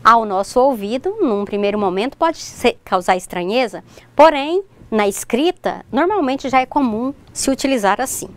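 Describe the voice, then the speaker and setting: Lively-voiced woman teacher explaining. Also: a little high, normal speed. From Brazil. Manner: explains step by step, checks in with "ok?"; addresses students directly, points at examples. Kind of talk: recorded distance-learning lesson.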